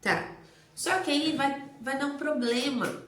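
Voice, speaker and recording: A woman's voice: high voice, takes it slowly, a bit bright, slight background noise. A Brazilian woman teacher giving a lecture, explaining step by step, asking rhetorical questions and answering them, and stretching words out to stress their sounds. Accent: Brazilian Portuguese. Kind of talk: recorded lecture on early literacy. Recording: roomy, echoey recording.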